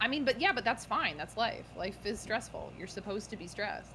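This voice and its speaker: Her pitch swings very widely. Noticeable background noise runs behind the woman. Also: fairly high pitch for a woman, fairly quick pace. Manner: condescending.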